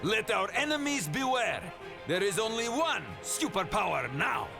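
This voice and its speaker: A man's voice: sits high, very animated, a little slow, vocal fry, exaggerated voice. A man voicing a proud, menacing Soviet propaganda announcer, grandiose and declamatory. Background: music.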